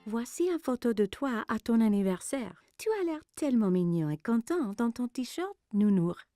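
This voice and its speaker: A woman voicing a gentle, caring mother in a children's cartoon, speaking tenderly and encouragingly. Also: on the high side, very animated, moderate pace, no echo, clean studio sound, soft background music.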